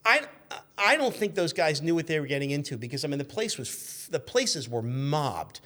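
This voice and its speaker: A man with a voice pitched a little high talks as a guest on a loose radio chat show. He explains and spins anecdotes with wry, dry humor. He often cuts himself off and starts the thought another way. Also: sing-song, moderate pace, a bit bright.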